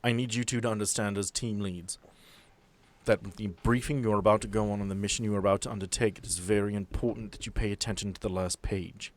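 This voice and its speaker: Man voicing grave woman boss, low voice. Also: steady tone, fast talker, lightly acted. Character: grave, urgent woman boss briefing her agents.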